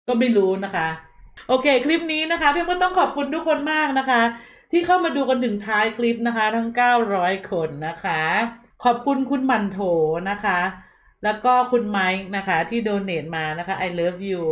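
Woman host, casual live-stream chatter, mid-pitched, recorded in a roomy space. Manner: chatty, reads out viewer chat.

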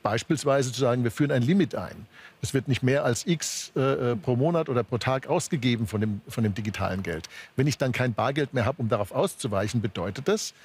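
A man arguing as a guest on a studio panel debate, with a husky voice and frequent fillers. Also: mid-range voice, lively intonation, brisk, darkish tone. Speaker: talk show guest. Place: large studio.

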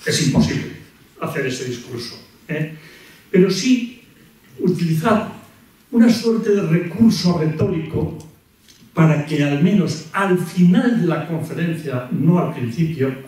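A man's voice: on the high side, darkish tone. Echoey older Spanish man lecturing. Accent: Spanish from Spain. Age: 60s. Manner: deliberate, rhetorical, with repetitions and pauses. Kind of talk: philosophy lecture to an audience. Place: lecture hall at a table. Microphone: gooseneck table microphone. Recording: very echoey hall, distant miked voice.

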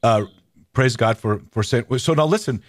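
A middle-aged man hosts a radio talk show and chats casually with his guest. He tells stories with animated energy, stopping and restarting his sentences, and his voice sits at an ordinary middle pitch. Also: normal speed. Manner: animated storyteller, many restarts and fillers. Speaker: host. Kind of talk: casual radio interview chat.

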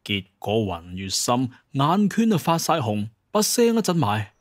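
A man narrates a scripted tale in colloquial Cantonese. His mid-pitched voice has a storyteller's expressive delivery. The recording is close and dry. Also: a little slow, dry recording. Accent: Hong Kong or Guangdong Cantonese.

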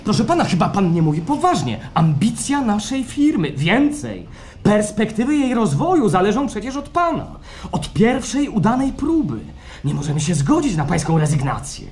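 Animated, insistent technician salesman. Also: sits high, moderate pace. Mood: pleading, urgent. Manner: fussy, persuasive, salesmanlike. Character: eager, insistent technician selling staged re-creations of feelings. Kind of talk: radio play acting before a live audience. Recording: live stage recording with background noise.

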